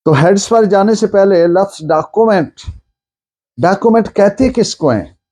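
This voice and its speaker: Speaking with a high pitch and a warm, expressive tone, a Pakistani-accented man delivers an explanatory law lecture. He makes a point of restating and rewording his main points.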